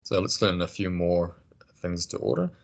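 Deep gravelly male language teacher. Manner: patient, encouraging, explains slowly. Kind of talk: casual language lesson.

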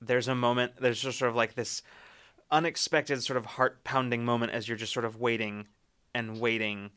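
A man's voice: medium pitch, steady tone, normal speed, bright, forceful tone, smooth. A man narrating as game master of a tabletop game, rambling with fillers and restarts.

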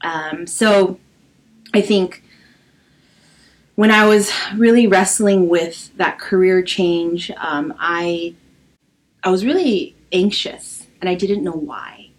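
A woman from Los Angeles in her early thirties speaks in a casual interview, her voice sitting slightly low. She talks haltingly, filling pauses with ums as she thinks aloud. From Los Angeles, USA. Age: early 30s. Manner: soft, hesitant, many pauses and ums. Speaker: podcast guest.

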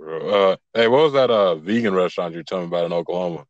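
A man co-hosting a casual podcast who chips in with brief, low-key remarks. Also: lively intonation, fast, dry recording. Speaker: podcast co-host. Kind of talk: casual chat. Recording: dull dry lo-fi sound.

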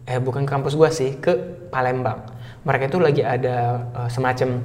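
A man telling stories as a guest in casual chat, animated and playful, often acting out what others said. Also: mid-range voice, a little fast. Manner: animated, acts out quoted voices, laughs often. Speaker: podcast guest. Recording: long hall reverb.

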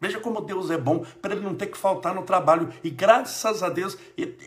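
A man's voice: sits high, fairly quick. A Brazilian man with a cold gives an informal live spiritual talk as host, preaching and repeating phrases for emphasis. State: sick with a cold. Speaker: religious livestream host.

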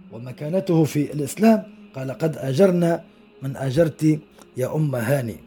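A man's voice: a little high, mellow. A man giving a podcast religious lesson, telling hadith stories with explanatory asides and acting out the quoted dialogue.

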